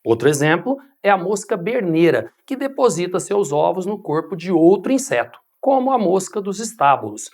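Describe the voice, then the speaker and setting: Female teacher voice-over, low pitch, animated intonation, measured scripted delivery. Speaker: biology teacher. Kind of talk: scripted lesson narration.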